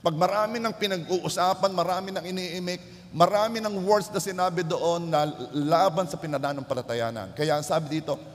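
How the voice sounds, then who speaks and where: Male pastor, sermon delivery that climbs in force, voice sitting a bit high, long hall reverb. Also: a little fast. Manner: preaching with rising emphasis, mixing in English phrases.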